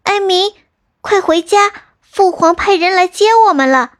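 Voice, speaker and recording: A woman voicing a sweet young heavenly princess in a storybook tale, high and insistent. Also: unhurried, fairly bright tone. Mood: eager.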